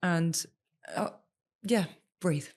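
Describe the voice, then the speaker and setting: A woman's voice: fairly low pitch, extremely slow, a little mellow. Emphatic woman singer giving voice advice. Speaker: singer and former TV presenter, guest. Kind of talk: podcast interview.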